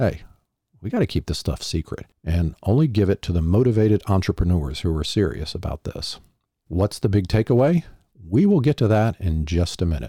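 A man with a fairly low pitch and a dark, mellow tone speaks at a fairly quick pace with lively intonation, his voice somewhat breathy, on a very clean recording with a silent background. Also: dry, close sound with no echo. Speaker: podcast host. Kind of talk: dramatic narration of a story, building to a climax; solo podcast monologue, teaching. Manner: animated, theatrical, suspenseful pacing; conversational, friendly, with filler words.

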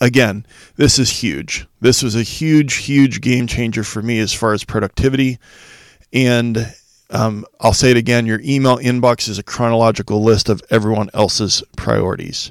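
A man with an unremarkable speaking voice talks at a moderate pace and medium pitch, keeping his intonation fairly even. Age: 50s. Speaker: podcast host for school leaders. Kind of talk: solo podcast monologue. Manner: conversational with frequent fillers.

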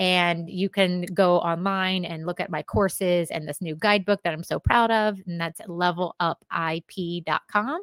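In a very clean recording with a silent background and a dry, close sound with no echo, a woman uses a plain, everyday voice at a fairly low pitch, with fairly even intonation and hardly any pauses. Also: moderate pace. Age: 40s. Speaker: dental hygienist and educator. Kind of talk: casual chat. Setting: podcast recording.

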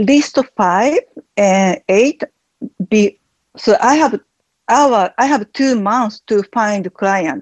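A woman with a Japanese accent speaks very slowly with long, frequent pauses, her fairly high pitch and lively intonation set at a very even loudness in a dry, close sound with no echo. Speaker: aspiring life coach. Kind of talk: coaching conversation. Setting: online audio room. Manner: halting.

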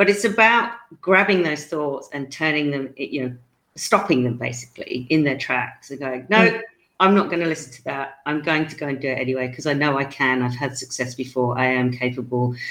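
Speaking in an English accent, a woman with a very deep, low pitch uses lively intonation. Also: fairly quick pace, big swings in loudness. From England. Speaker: life coach. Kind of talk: interview.

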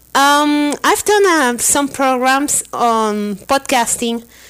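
A woman's high-pitched voice at a very slow pace, with ordinary pitch variation. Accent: Venezuelan. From Venezuela (Caracas). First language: Spanish. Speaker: journalism student, caller. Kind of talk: recorded voicemail question. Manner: halting.

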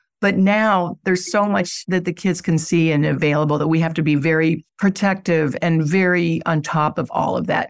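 On a very clean recording with a silent background, a woman speaks at a moderate pace, her fairly low pitch showing ordinary variation. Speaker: podcast host. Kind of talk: casual chat. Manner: loud; talkative.

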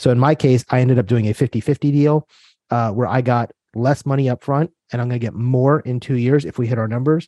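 Against a quiet background, a man with a dark, mellow tone speaks at a very fast pace at medium pitch, with fairly even intonation and a dry, close sound with no echo. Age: 40s. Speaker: online course business owner and instructor. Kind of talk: workshop presentation. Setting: video call.

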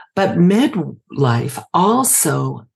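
Vocal fry runs through this woman's voice. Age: 60s. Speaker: life coach and institute founder. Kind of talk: casual chat.

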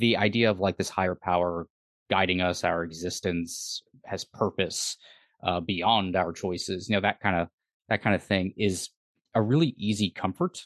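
At a moderate pace, a man with a very deep, low pitch speaks with fairly even intonation, the sound dry and close with no echo and the background quiet. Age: 30s. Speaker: podcast guest sharing eating disorder recovery story. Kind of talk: casual chat.

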